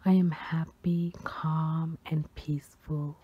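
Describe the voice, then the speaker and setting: A woman gives a whispered pep talk in the manner of an ASMR affirmation meditation. Her whisper is soft and breathy, low and very slow, with soothing first-person phrases. The sound is a little muffled. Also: level tone, slight background noise.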